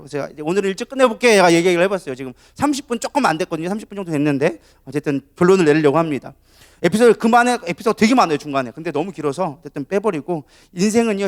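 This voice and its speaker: A middle-aged man preaching a sermon as co-pastor, telling the story in an animated way. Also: high voice. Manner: animated, storytelling with acted-out quotes.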